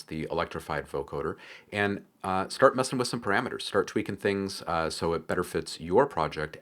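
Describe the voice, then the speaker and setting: A man hosting a casual software tutorial, explaining things informally with frequent hesitations. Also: deep voice. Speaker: tutorial host.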